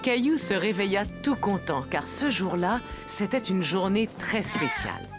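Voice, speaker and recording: A woman narrating a children's cartoon as a gentle storyteller, reading scripted lines with expression. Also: mid-range voice, expressive, a little slow, music in the background, natural voice. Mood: storytelling.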